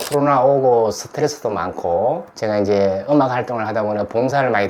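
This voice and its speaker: Talking fairly quickly, a man is heard. Behind his words there is noticeable background noise. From Gyeongsang region, Korea. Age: 60s. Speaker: hair loss patient, academy director. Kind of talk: interview, personal testimony.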